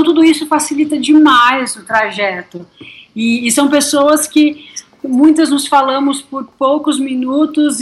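A touring cyclist from Brazil, speaking with a Brazilian Portuguese accent, cheerfully and enthusiastically shares stories from her cycling trip in a casual interview. Her voice is fairly high and a bit bright.

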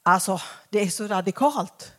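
A woman's voice: mid-range voice, lively intonation. A woman giving a Christian teaching talk, acting out conversations as she tells them. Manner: acts out dialogues with shifting voices. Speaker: Christian speaker.

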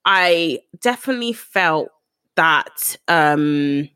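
Young woman on a podcast, lowish voice that swings up and down a lot, dry close sound. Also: clean tone, no room sound. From Ghana heritage, raised in England. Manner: animated, chatty, quick asides. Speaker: podcast co-host. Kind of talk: casual chat.

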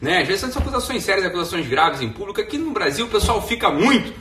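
A quick, bright-voiced man with a Brazilian Portuguese accent rambles casually through a live stream from home. He speaks a little above the usual male pitch and sits back from the mic in an echoey room. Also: big pitch swings, recorded from a distance, a little hiss or hum. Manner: rambling, slangy, tags sentences with "né".

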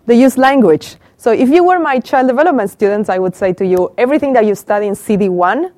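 In studio-quality, dry sound, an Argentine professor in middle age talks quickly and animatedly to a small live audience via a handheld mic. Her darkish voice sits on the high side, and she keeps asking questions and repeating the answers she hears. She speaks with an Argentine Spanish accent.

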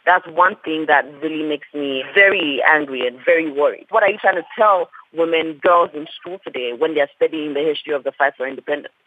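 A woman's voice: low-pitched, a little fast, few pauses, dry recording. Impassioned Ghanaian woman over phone line. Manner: impassioned, indignant. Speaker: panel guest. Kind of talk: panel discussion. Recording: tinny phone-like line, husky.

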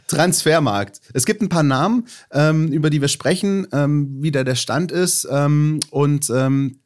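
A man's voice: on the high side, measured pace, a little mellow. A man hosting a football podcast in a casual, conversational way, talking directly to co-host and listeners. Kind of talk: casual moderated football chat.

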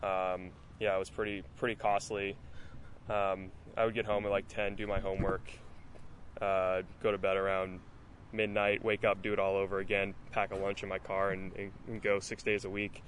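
A young man from Massachusetts, USA, who rows in college, tells his story in interview answers. His deep voice moves at a moderate pace with steady storytelling and fillers, over slight background noise.

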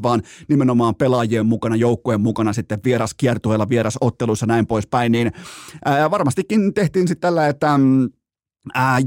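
A man's voice: mid-range voice, darkish tone, no room sound, studio quality. A man hosting a sports podcast, rambling through hockey news in a joking, casual way with mild swearing.

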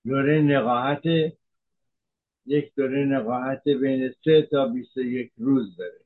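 A man's voice: mid-range voice, steady tone. Man explaining medicine over a tinny line. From Iran. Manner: measured, explains terms, frequent hesitations. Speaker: physician giving health talk.

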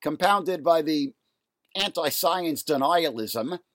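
A man, hosting a solo podcast from his apartment, ranting angrily in a raspy, nasal voice while ill and congested. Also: a little high, expressive, slow pace, a bit bright, no room sound, studio quality. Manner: angry, indignant ranting. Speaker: podcast host. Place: home apartment.

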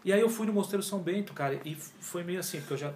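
A man tells his story as a guest in a casual interview, and his speech is animated and full of slang. He talks quickly in a slightly raised voice. The recording has a roomy echo around him. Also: high-pitched, a little hiss or hum. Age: 40s. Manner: animated and slangy, often says cara and pô. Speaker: yoga teacher and guest.

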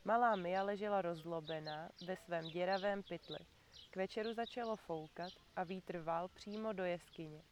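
A woman reading a storybook aloud to children in a calm, measured way, in an outdoor garden. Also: fairly low pitch, a little hiss or hum. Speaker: reader for children.

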